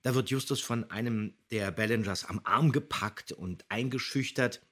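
A man's voice: mid-range voice, normal speed, fairly bright tone. A man co-hosting a podcast, explaining things casually in a matter-of-fact, opinionated way. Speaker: podcast co-host who recaps and critiques.

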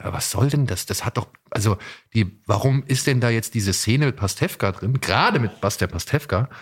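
A man hosts a relaxed conversational podcast. His voice sits at a medium pitch. He talks in a colloquial way and slips into mock quotations to make his points. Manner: colloquial, acts out imagined quotes. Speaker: podcast host. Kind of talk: casual chat.

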